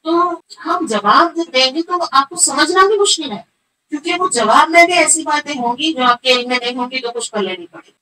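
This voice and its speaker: A woman's voice: sits high, animated, moderate pace, pushed and bright, slight background noise, rough recording. Woman religious teacher, voice disguised. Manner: earnest, repeats phrases, plain simple wording. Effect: voice altered to hide identity. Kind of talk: religious talk and appeal.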